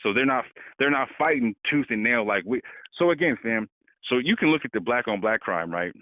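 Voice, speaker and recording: Animated man on a tinny phone line. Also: medium pitch, a little fast, dry recording. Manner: animated, repeats words while building a point. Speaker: podcast co-host. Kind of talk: casual political discussion.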